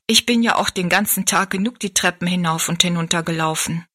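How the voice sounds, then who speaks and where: A woman's voice: lowish voice, brisk, fairly bright tone. A woman voicing a tired, bitter young kitchen maid who speaks bluntly and complains in a storybook reading. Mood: weary.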